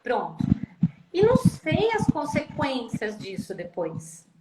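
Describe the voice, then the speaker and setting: A woman's voice: high voice, wildly swooping pitch, takes it slowly. A woman speech therapist talking about parenting on a live stream over a video call, emphatic and repeating phrases for stress. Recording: echoey room with loud background noise.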